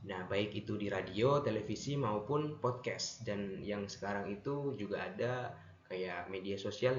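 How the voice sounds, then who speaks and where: A young man giving an earnest class presentation, stumbling and correcting himself now and then. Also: mid-range voice. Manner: earnest, with restarts and self-corrections. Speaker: student presenter. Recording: echoey room, dull lo-fi mic, faint noise.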